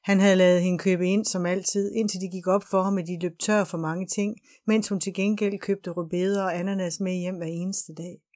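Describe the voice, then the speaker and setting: Woman narrator, low voice, steady audiobook reading. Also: hardly any pauses. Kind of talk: scripted narration.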